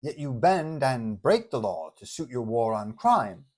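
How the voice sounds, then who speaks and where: A man's voice: medium pitch, sing-song, unhurried. A man voicing a skeptical magazine reporter who puts pointed questions in a superhero story. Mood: challenging.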